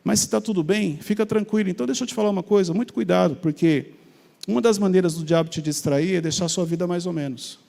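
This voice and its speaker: A middle-aged Brazilian man telling his personal faith testimony in an animated storytelling way, acting out remembered conversations. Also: high-pitched, quick pace, vocal fry, in a large hall. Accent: Brazilian Portuguese. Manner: animated, acts out remembered dialogue. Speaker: speaker sharing a faith testimony.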